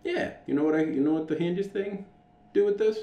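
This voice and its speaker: An American man with a loud, carrying voice co-hosting a podcast, telling stories casually, swearing freely and acting out what people said. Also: sits high, brisk, lo-fi sound. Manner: animated, profane, acts out reported dialogue. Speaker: podcast co-host. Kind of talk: casual storytelling banter. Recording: echoey room.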